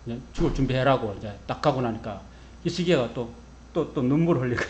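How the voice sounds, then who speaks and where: A male pastor preaching a sermon, telling the story in a lively, humorous way and acting out the quotes. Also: on the high side, slight background noise.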